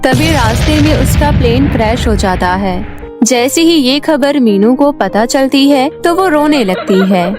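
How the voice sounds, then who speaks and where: A woman with a high, clear voice narrating a cartoon storybook in steady, scripted tones. Soft music plays faintly underneath. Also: measured pace.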